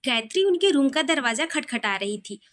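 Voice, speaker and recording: A woman's voice: high-pitched, expressive, moderate pace, fairly bright tone. A woman storyteller reading a scripted romantic story.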